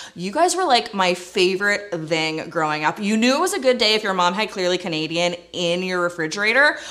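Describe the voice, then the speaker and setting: A woman of medium pitch speaks with lively intonation at a fairly quick pace. She barely pauses, and noticeable background noise is present. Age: 40s. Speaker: podcast host, makeup artist. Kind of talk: casual chat. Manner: animated.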